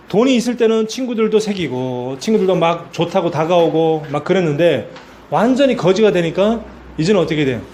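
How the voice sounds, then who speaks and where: A man's voice: fairly high pitch, a little mellow, a little hiss or hum. A man preaching a sermon as pastor, telling a story animatedly and throwing out rhetorical questions.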